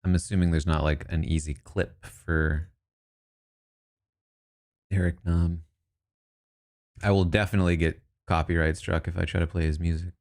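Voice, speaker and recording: A man's voice: low-pitched, flat delivery, normal speed, long pauses, darkish tone. A man casually commenting and thinking aloud as he reacts to news about a reality show cast. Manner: musing, thinks aloud, asides.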